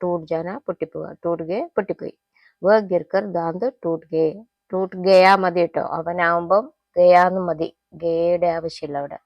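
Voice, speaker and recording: A woman gives a spoken language lesson. She says each phrase slowly, repeats it, and then explains it quickly. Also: fairly low pitch, steady tone, no echo, lo-fi sound. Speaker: Hindi teacher.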